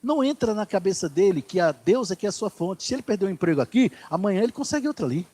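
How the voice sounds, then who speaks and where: A pastor preaching a sermon in church, swinging from loud declarations to hushed asides. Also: male voice, high voice, big pitch swings, racing.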